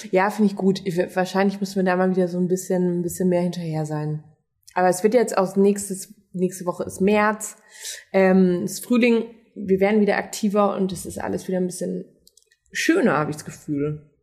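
A woman with a medium-pitched voice talks at a fairly quick pace, her intonation fairly even. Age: 30s. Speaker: podcast co-host. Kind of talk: casual chat. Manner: frequent laughter.

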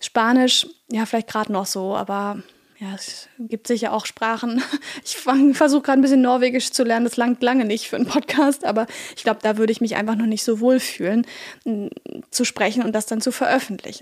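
A woman's normal speaking voice, fairly high in pitch, with fairly even intonation and a fairly quick pace. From Germany. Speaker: podcast coach. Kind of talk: solo podcast advice talk. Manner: casual, with filler words.

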